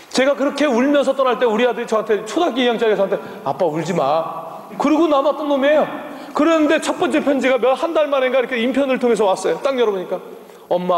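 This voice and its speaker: A middle-aged man, a missionary, preaching a sermon in a church with animated storytelling and frequent tag questions. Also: very high voice. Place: church sanctuary. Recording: echoey hall with long reverb.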